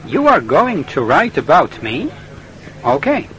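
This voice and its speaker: An earnest foreign student. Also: male voice, a little high, wildly swooping pitch, pushed and bright, heavily acted, rough recording. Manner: careful, formal, slightly halting English. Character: polite young male foreign student. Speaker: interviewee. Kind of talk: scripted learner dialogue.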